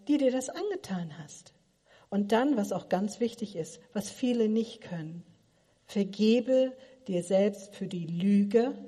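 A woman's voice: mid-range voice, dark tone. A middle-aged woman giving a sermon, asking her listeners earnest, probing questions. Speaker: preacher. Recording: long hall reverb.

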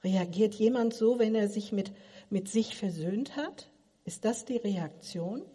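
A woman's voice: mid-range voice, unhurried, mellow, slightly rough. A middle-aged woman giving a sermon, asking her listeners earnest, probing questions. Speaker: preacher. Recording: long hall reverb.

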